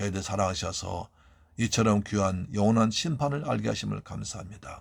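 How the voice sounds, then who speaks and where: Vocal fry runs through a voice with ordinary pitch variation. The recording is very clean, with a silent background. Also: man, fairly low pitch for a man. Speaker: pastor. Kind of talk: sermon and prayer. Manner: fast.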